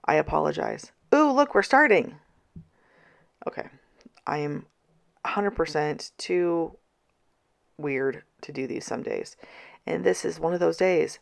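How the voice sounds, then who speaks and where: A hoarse woman in her thirties chats in a rambling, tired way at home. Her low voice is scratchy and gravelly, cracking as it fades. She sounds worn out but keeps talking. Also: lively intonation, a little slow, pauses often. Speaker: vlogger. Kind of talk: casual planner vlog chat.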